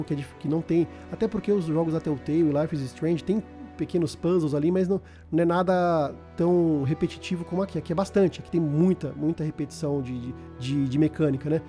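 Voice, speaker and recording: Over soft background music, a fast-talking man with a dark, higher-leaning voice barely pauses. He has a Brazilian Portuguese accent and explains a video game in casual podcast style, often repeating words.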